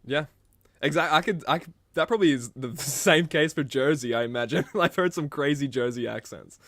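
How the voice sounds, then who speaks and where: A man's voice: fairly high pitch, brisk, a bit bright, no echo. Aussie guy hosting a toy podcast, jokey, laughs a lot, real dry sound. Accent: Australian. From Australia. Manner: laughing, playful teasing. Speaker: podcast host. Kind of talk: casual chat.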